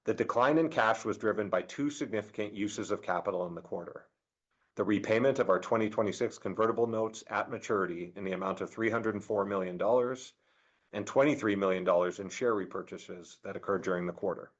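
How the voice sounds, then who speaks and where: A man reading a scripted corporate financial presentation as a finance chief, in a formal, measured manner. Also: on the low side. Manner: formal, measured delivery of figures. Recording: dull, lo-fi conference call audio.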